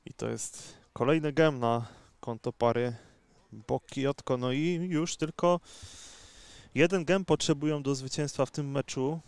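A man giving unhurried, conversational live tennis commentary in a measured, somewhat hesitant way. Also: medium pitch, darkish tone, smooth, no room sound.

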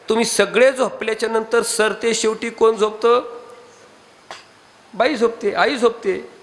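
A man with a Marathi accent preaching a devotional kirtan sermon, animated and throwing rhetorical questions at the audience. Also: high-pitched, big-room sound.

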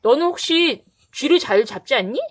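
Toy puppet dog woman performer: friendly, gentle, higher pitch. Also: lively intonation, normal speed, slightly rough.

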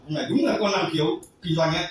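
A man preaching a sermon as pastor, animated, swinging from quiet asides to loud emphatic cries. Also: on the high side, very fast, a little hiss or hum. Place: church hall. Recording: very echoey hall, voice from far off.

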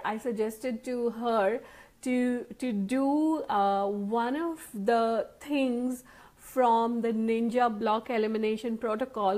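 A woman's voice: on the high side, darkish tone. Bubbly woman hosting a live stream. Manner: bubbly, chatty, greets viewers by name. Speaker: host of a live video stream. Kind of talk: casual live-stream talk to viewers.

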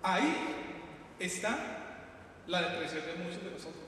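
Priest, high and impassioned, heard from afar in a church. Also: male voice, expressive, normal speed, a little hiss or hum. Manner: impassioned, shifting from shouts to hushed appeals. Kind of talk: sermon. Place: large church hall. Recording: echoey hall, distant mic.

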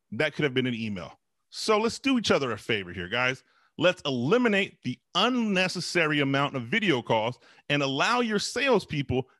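An American man in his forties speaks as a sales coach addressing the camera. His voice sits slightly high and moves up and down a lot as he stresses points deliberately and repeats phrases. It is recorded close on a desk mic, with a dry sound. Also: sharp tone, no room sound. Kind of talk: direct-to-camera sales talk, motivational. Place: small home office, indoors. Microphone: close desk microphone.

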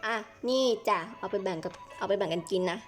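A woman's voice: mid-range voice, fast, faint music behind, pitched below the performer's own voice, lightly acted. A woman voicing a kindly shopkeeper in a game role-play, explaining things patiently and trailing off while she searches for words. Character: kindly snack shopkeeper, gentle and helpful.

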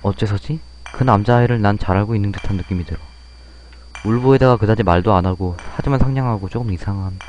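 A man's voice: lowish voice, quick pace, darkish tone, a little hiss or hum. A man playing a game and thinking aloud in casual commentary. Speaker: game player.

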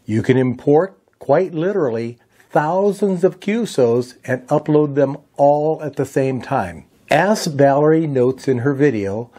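An older man, around his sixties, with an American accent, presenting a step-by-step software tutorial in a plain-spoken, conversational, explanatory way. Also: on the high side, measured pace. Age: older, around 60s.

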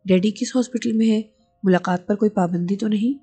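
A woman voicing a young husband, calm and reassuring, with gentle, steady dialogue reading. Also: medium pitch, brisk, breathy edge, faint music behind, natural voice.

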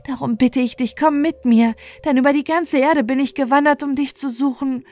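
Woman acting a pleading storybook beggar mother, high-voiced. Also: fairly even intonation, normal speed, darkish tone, close to an everyday voice. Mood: imploring. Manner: imploring, emotional. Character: pleading, heartbroken beggar woman seeking her lost son.

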